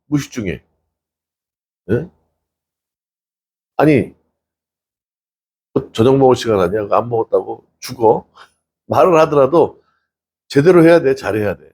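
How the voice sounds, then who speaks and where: A man's voice: medium pitch, expressive, measured pace, pauses often, darkish tone, slightly rough. A middle-aged male pastor giving a conversational sermon, chatting with the congregation, asking them questions and acting out little quotes. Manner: chatty, asks the congregation questions, laughs often, acts out quotes.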